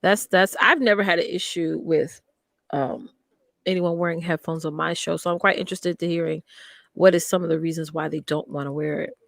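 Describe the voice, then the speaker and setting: A woman's voice: on the low side, steady tone, brisk, creaky, dry recording. A woman co-hosting a live stream, chatting in an emphatic, friendly way. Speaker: co-host of a live stream show. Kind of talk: casual live stream chat.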